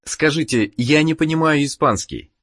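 A man narrating a language course, giving the listener clear prompts and questions to answer. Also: a little high, normal speed, a bit bright. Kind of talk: scripted instructional narration.

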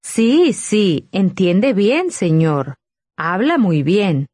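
A woman modeling short phrases in a language course, saying them slowly and distinctly for learners to repeat. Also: medium pitch, big pitch swings, a little mellow, no echo, studio quality. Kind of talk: slow, careful phrase repetition.

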